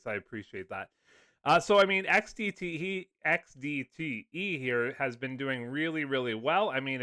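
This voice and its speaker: A mid-range, bright voice with a forceful edge belongs to a male finance video host who has just shaken off a cold. Chatty and loose, with plenty of fillers, he casually explains funds while sharing his screen, with no echo in the audio.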